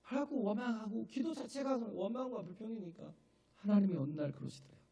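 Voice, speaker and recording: A male pastor preaching a sermon in a church, emphatic, often checking in with the congregation, building to shouted and tearful peaks. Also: high voice, expressive, fairly quick, creaky, slightly rough. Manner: emphatic, keeps asking the congregation "예?". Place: church sanctuary.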